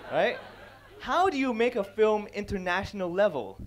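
A young man from Hong Kong works a large stage as a stand-up comedian, talking into a headset mic. His voice sits high and swings through a wide, lively range. He slips into quick character voices as he tells his stories. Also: some chatter behind. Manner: animated, acts out characters with quick voice changes. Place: large dark stage before a live audience.

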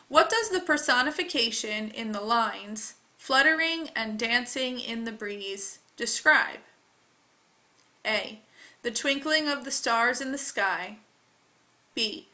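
A woman reading test questions aloud in a careful, deliberate manner. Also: on the high side, expressive, bright, forceful tone. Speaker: test reader.

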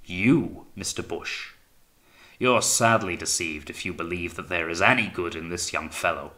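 A man voicing a paranoid, tyrannical naval captain in an audiobook sea story, taunting and accusing, swinging from quiet menace to blaring. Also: low voice, a little slow. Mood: wary, ingratiating. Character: paranoid, sneering, tyrannical male naval captain, raging and suspicious. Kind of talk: dramatised audiobook reading of sea fiction.

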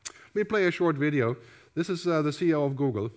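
A middle-aged German-accented speaker gives a keynote from a large theater stage over a headset mic, his voice on the high side, slightly mellow, quick-paced and lively in intonation. He's chatty, gestures expansively, and often asks "right?".

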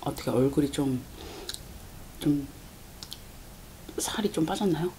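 Woman, talking while chewing, very fast, half-whispered, noisy background hiss. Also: deep voice. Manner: soft, half-whispered, chatty. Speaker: mukbang vlogger. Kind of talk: quiet late-night eating chat.

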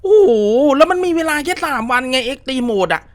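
A man's voice: very high voice, very animated, moderate pace, a bit bright. A man hosting a horror-game let's play, chatting politely with viewers and often exclaiming and laughing. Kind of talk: casual horror-game commentary.

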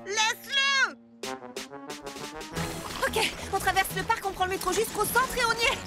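An actress playing an earnest, excitable young girl baker in a cartoon dub, energetic and exclamatory. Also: extremely high pitch, measured pace. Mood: urgent. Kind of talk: animated cartoon dubbing. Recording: music behind the voice.

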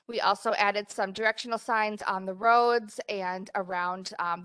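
Smooth-voiced woman presenting to a board. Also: mid-range voice, a bit bright. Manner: upbeat, with frequent fillers. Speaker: library director. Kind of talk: presenting a report. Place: meeting room. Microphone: desk mic in front.

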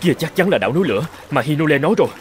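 Guy doing a tribal chief in a fairy tale cartoon, talks fast, earnest and theatrical, bit of music behind. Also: a little high, lively intonation, lightly acted. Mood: urgent. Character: brawny male tribal chief, scheming captive husband. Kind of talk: animated fairy tale dubbing.

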